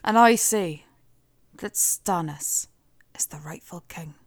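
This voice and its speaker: A woman voicing a stubborn, loyal male knight in a slow, emphatic mock Scottish accent. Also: fairly low pitch, no echo, clean studio sound, pitched below the performer's own voice. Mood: solemn.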